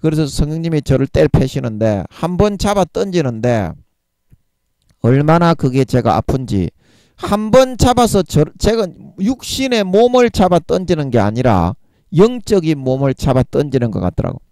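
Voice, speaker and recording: A man's voice: fairly high pitch, sing-song, normal speed, dark tone, dry recording. Guy preaching, keeps repeating words, chuckles a lot, dry close sound. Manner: repeats key words for emphasis, chuckles between points. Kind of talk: sermon.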